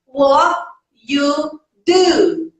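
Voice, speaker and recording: A Brazilian woman teaching English in a casual live lesson, slowly repeating example phrases and coaxing learners along. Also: sits high, very animated, very echoey, distant mic, poor audio.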